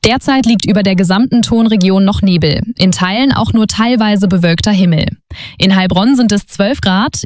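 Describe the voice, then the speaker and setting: A woman presenting the local weather on the radio in a brisk, clear read. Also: mid-range voice, a little mellow, no room sound, studio quality.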